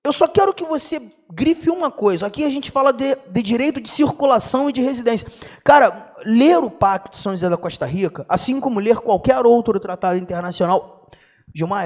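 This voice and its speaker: A young adult man with a Brazilian Portuguese accent giving an exam-prep law lecture, slangy and animated, constantly asking students rhetorical questions. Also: high voice, brisk. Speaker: law teacher.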